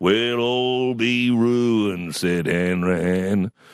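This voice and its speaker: A man uses a put-on character voice pitched fairly low. He speaks at a very slow pace. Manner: broad, put-on voice.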